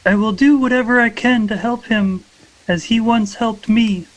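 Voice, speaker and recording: A small, devoted former captive voiced by a man speaks in a raised, high voice. The manner is earnest and pleading, suited to a fantasy tabletop game. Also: moderate pace, long reverb tail, low-quality recording. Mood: earnest devotion.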